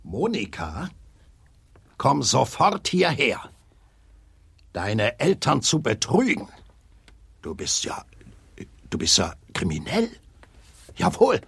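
An actor playing an angry, menacing father in a children's audio drama, domineering and threatening, with a rough gravelly voice. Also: medium pitch, huge pitch swings, takes it slowly, long pauses, fairly bright tone, no room sound, exaggerated voice. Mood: furious, menacing. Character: angry, menacing, abusive father berating his daughter. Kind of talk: German 1980s children's audio drama acting.

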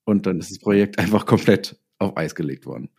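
Male interview guest, relaxed dark tone on the low side, informal anecdotal delivery with pauses. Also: husky. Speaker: interview guest, writer and director. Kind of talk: casual personal storytelling in an interview.

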